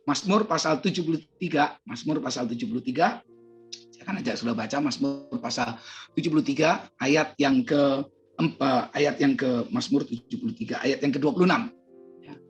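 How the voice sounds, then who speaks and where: Animated preaching pastor with soft music. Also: male voice, mid-range voice, brisk, highs cut off. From Indonesia. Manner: animated preaching, swings from loud cries to quiet asides; calls the congregation "saudara" again and again. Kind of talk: sermon. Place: church service broadcast online.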